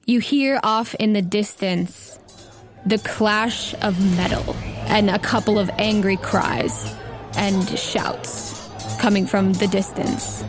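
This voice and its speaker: A woman runs a tabletop game as its narrator and host. Her voice sits at a middle pitch, with music playing clearly behind her. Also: steady tone, takes it slowly. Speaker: game master and podcast host.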